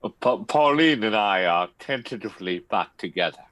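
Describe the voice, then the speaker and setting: A man playing a vampire in a rocky romance, speaking haltingly as if interviewed, in a comedy table read. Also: lowish voice, expressive, fairly bright tone, no room sound. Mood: wry.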